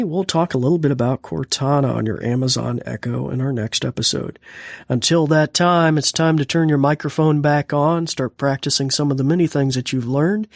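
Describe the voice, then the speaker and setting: A man's voice: mid-range voice, darkish tone, no room sound, clean studio sound. An American man hosting a podcast, giving a casual tutorial and calling out voice commands. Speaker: podcast host and instructor.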